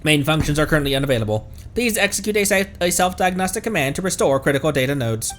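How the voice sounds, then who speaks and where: A man voicing a malfunctioning ancient machine system in a game, reading formal, measured announcements. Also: fairly high pitch, animated, a bit bright. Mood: formal, apologetic.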